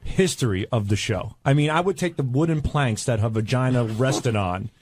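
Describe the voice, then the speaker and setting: A man's voice: medium pitch, moderate pace, darkish tone. A man joining in casual banter as a panelist on a radio show.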